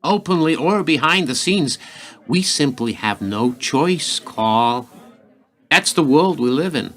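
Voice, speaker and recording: An actor playing a hawkish, calculating senior White House aide in a radio play, speaking with deliberate authority. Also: male voice, on the high side, lively intonation, a bit bright. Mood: guarded, pragmatic.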